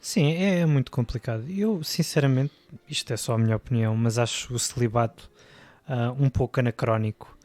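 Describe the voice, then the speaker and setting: A man from Portugal with a European Portuguese accent, co-hosting a podcast in casual chat and speaking in a measured, mild way. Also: medium pitch, a little mellow. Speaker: podcast co-host.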